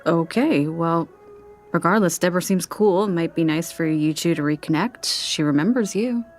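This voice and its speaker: A woman acting as a caring, searching young niece, hesitant and gently pleading, in a naturalistic audio drama. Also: fairly low pitch, normal speed, faint music behind, natural voice. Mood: tentative.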